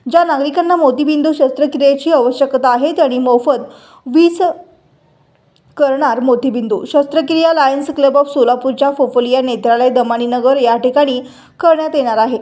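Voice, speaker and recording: A woman reads a local news report in a high, bright-toned voice. Her delivery is steady and formal, and she moves evenly through long lists of names and details. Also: a little fast. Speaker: news reader. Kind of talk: scripted local news narration.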